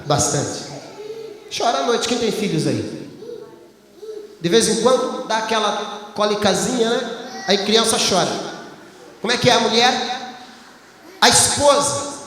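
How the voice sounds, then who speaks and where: A man preaching as a pastor, telling animated stories and acting out his wife's lines. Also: sits high. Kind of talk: sermon. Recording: echoey hall, faint ambience.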